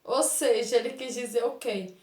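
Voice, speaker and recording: A Brazilian woman teacher with a Brazilian Portuguese accent, explaining a grammar lesson to children slowly and affectionately, often checking with "right?". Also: fairly high pitch. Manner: reads dialogue aloud with expressive intonation. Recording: echoey room.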